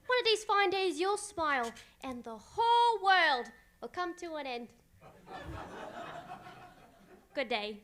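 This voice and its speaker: A garrulous, cheerfully boastful village busybody who delivers the post, acted by a woman for radio theatre. The voice is high and forcefully bright, with a folksy, cheeky delivery. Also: big pitch swings, moderate pace, a little hiss or hum, heavily acted. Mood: cheekily teasing. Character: chatty, nosy, cheerfully boastful village postwoman.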